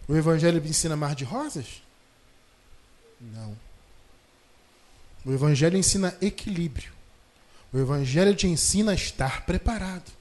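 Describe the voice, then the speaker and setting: Brazilian pastor guy, kinda high voice, chatty preaching, drags out the bible verses slow and loud. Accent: Brazilian Portuguese. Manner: conversational preaching, drawn-out emphatic scripture reading. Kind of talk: sermon. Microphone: livestream microphone.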